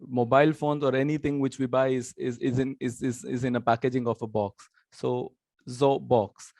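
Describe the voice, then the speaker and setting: A man's voice: medium pitch, level tone, moderate pace, a little mellow, no echo, studio quality. A man from Hong Kong with a Chinese accent, a company founder explaining his business and often repeating words as he goes. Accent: Chinese-tinged. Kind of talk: business pitch talk.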